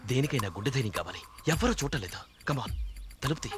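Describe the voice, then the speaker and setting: A man's voice: expressive, fast, lightly acted. An actor in a film playing a brash young man who lectures and taunts a woman in a preachy way. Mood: mocking. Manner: taunting, preachy, sweeping swings in pitch. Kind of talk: film dialogue. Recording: movie soundtrack with music behind.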